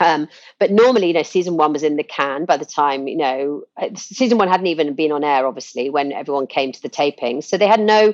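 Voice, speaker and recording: A woman with an English accent and a very deep, low pitch talks at a fairly quick pace with ordinary pitch variation. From England, raised partly in Asia. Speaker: TV showrunner and producer. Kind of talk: casual interview. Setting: remote call.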